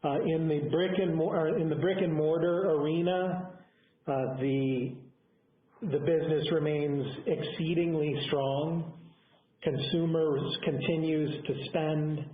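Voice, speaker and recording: A male executive speaks on a thin, phone-like line with a roomy echo. He delivers a financial update to investors, halting now and then and restarting phrases as he goes. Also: a little high, fairly even intonation. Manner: halting, with mid-phrase self-corrections. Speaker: company executive on an earnings call. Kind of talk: semi-scripted business briefing to investors. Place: conference call over phone. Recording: echoey, band-limited conference phone line.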